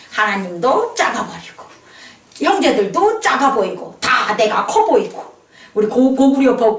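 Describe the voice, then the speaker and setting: A woman pastor preaches to her congregation with a high, lively voice that swoops up and down. She keeps asking them questions for answers. The sound is roomy and comes from some distance off the mic. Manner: animated preaching with call-and-response questions. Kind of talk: sermon. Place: small church. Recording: echoey church hall, mic at a distance.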